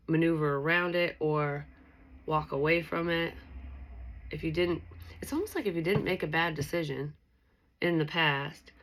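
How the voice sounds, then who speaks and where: A woman's voice: low voice, slight background noise, low-quality recording. A woman giving a casual tarot reading to her viewers, sounding stuffy and nasal from allergies, rambling with lots of fillers. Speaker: tarot reader.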